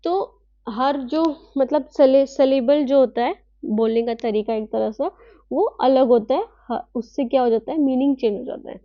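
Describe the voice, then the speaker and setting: Female online teacher, high voice, dry and dull lo-fi audio, patient explainer. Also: dry recording. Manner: explains slowly, reads English lines then explains in Hindi; asks rhetorical questions, tag "है ना". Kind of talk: online class lecture.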